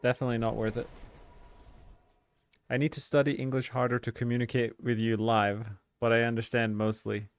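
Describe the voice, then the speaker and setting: A young adult man from Sweden, talking through a live game stream in a relaxed, halting way. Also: mid-range voice. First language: Swedish. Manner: relaxed, halting, frequent uh and restarts. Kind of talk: live stream commentary while gaming.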